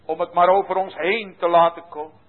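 Impassioned preacher on a tinny line. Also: male voice, sits high, fairly even intonation, fairly quick. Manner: impassioned, swinging from hushed to loud. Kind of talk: sermon. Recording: tinny phone-like sound.

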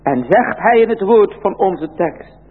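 A man's voice: high voice, animated, a little slow, husky. A man preaching a sermon in an emphatic style, using old biblical phrasing. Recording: tinny lo-fi phone-like recording.

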